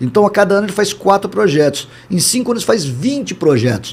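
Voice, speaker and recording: A man speaks at a fairly quick pace. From Brazil, Guarulhos (São Paulo). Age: 60s. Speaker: business executive and professor. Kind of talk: interview. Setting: live-streamed talk show.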